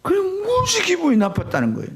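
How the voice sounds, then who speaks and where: A man preaching a Sunday sermon as pastor, telling a story with sudden swings between loud high passages and low hushed ones. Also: huge pitch swings, quick pace, background noise. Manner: storytelling with sharp swings in pitch and loudness. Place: church sanctuary.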